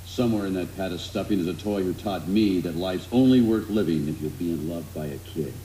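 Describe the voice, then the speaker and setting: A man playing a dutiful, heroic space ranger toy in an animated film, speaking with an American accent in a commanding, earnest way. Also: deep voice, brisk, reverberant, a little hiss or hum, lightly acted, poor audio. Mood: grave, disappointed.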